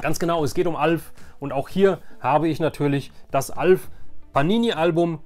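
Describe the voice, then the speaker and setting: A man's voice: on the high side, moderate pace, loud music behind the voice. A man in his forties talking to viewers in a casual, nostalgic vlog style, informal, rambling and enthusiastic. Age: 40s. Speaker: video host.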